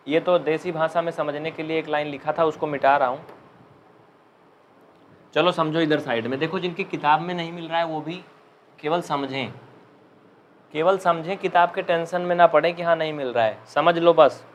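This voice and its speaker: A man's voice: fairly high pitch, slight background noise. Chatty male maths teacher, UP Hindi. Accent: Uttar Pradesh Hindi. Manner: chatty, joking, dictates slowly. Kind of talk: live online class.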